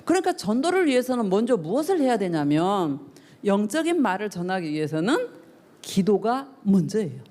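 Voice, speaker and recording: A woman's voice: medium pitch, big pitch swings, normal speed, mellow. A middle-aged woman pastor preaching to a youth service, asking the young listeners questions and acting out the voices she quotes. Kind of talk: youth sermon. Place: church service.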